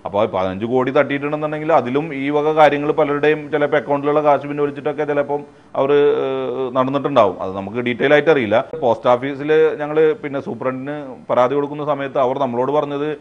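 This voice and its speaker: A fraud victim from Thrissur, Kerala, speaks in a mid-range voice with fairly even intonation, the sound muffled. His interview account is unscripted and halting, with frequent pauses to find words and English words woven in.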